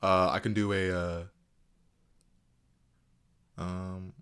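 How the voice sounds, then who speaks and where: A man's voice: low voice, level tone, drawn-out words, fairly bright tone, clean tone. A man from the United States hosting a casual solo podcast, rambling and swearing freely. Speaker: podcast host.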